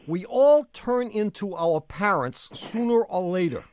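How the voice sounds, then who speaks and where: A middle-aged man, high-pitched and wildly lively, teasing and laughing as he co-hosts a call-in radio show. The sound is dry and close. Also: a little slow, no echo. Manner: laughs often, teasing, wisecracking. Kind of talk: joking call-in chat.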